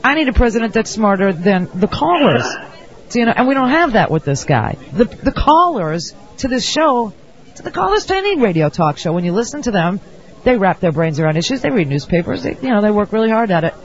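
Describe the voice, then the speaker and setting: A radio talk show host talking casually and rambling, with many restarts. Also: male voice, sits high. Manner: quick, animated, rambling with restarts. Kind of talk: casual phone conversation at a convention. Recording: dull lo-fi radio audio.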